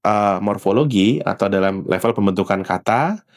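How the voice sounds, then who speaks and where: Middle-aged man, fairly low voice, lecturing guest with lots of "eh" fillers. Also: animated, normal speed. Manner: lecturing, many "eh" fillers, frequent tag "ya". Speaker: CEO guest explaining language learning. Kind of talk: explanatory interview talk.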